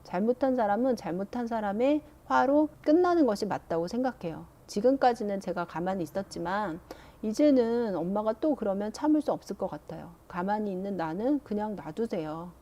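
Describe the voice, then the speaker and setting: A woman voicing a resentful teenage girl who is annoyed at being scolded alongside her sister, speaking in a slow, aggrieved complaining way. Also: medium pitch, lively intonation, dark tone, lightly acted.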